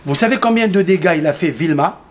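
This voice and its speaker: A man's voice: fairly high pitch, lively intonation, quick pace. A man giving a Torah lesson in a synagogue, firing questions at his listeners, answering them himself and repeating key numbers emphatically. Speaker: rabbi teaching a Torah class. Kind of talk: lively Torah lesson to a congregation.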